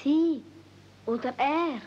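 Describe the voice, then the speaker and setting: A woman's voice: high voice, takes it slowly. A woman with a Swiss accent playing an innocent, eager little mountain girl in a 1970s radio play, artless and polite. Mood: earnest, innocent. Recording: dull, faintly noisy old cassette recording.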